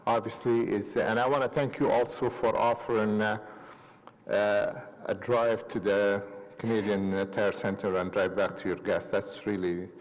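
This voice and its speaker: A city councillor questions a witness in a somewhat low voice. He speaks politely, hesitating often. The committee room gives a long reverb. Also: steady tone, moderate pace. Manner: polite, hesitant, many filler sounds. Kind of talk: questioning a witness at a public meeting.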